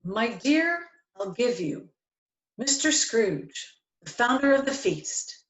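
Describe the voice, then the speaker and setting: A woman playing a kindly, good-humoured father in a storybook play, expressive and affectionate. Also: fairly high pitch, slow. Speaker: amateur reader, library staff. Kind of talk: dramatic reading of a classic story. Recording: echoey room.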